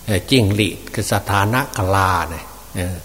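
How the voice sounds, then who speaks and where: A man preaching as a monk, folksy and unhurried, with many fillers. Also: lowish voice, a bit bright. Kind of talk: Dhamma sermon. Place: open temple hall. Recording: distant reverberant hall with faint noise.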